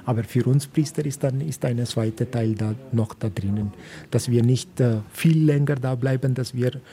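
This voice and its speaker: A man from India, a priest, speaking German as a second language in a radio interview, halting and searching for words. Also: mid-range voice, mellow. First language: not German.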